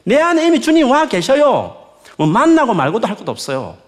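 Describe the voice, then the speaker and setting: A man preaching a midweek sermon in a conversational, coaxing way, with many rhetorical questions and sharp swings in emphasis. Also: very high-pitched, brisk. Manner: lively, rising and falling emphatic preaching. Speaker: pastor.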